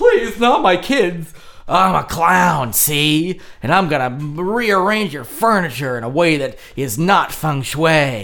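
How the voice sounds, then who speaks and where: A man puts on a character voice, pitched high for a man and delivered at a fairly slow pace. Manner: silly, exaggerated.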